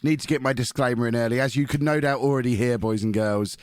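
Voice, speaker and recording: Hoarse guy hosting a podcast, cheeky, mid pitch, dry close sound. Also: fairly even intonation, fast talker, dry recording. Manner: cheeky, teasing. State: losing his voice, hoarse. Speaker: podcast host. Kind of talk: casual chat.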